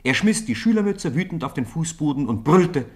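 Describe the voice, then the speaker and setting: A man's voice: fairly high pitch, big pitch swings, brisk, heavy background noise. A man narrating a children's radio play as a scripted storyteller.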